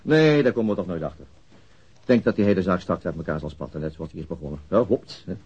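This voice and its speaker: An actor playing a weary, resigned detective with a gruff, terse and hesitant manner in a radio drama. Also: male voice, low-pitched, lively intonation, fast talker, darkish tone. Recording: dull lo-fi old radio recording.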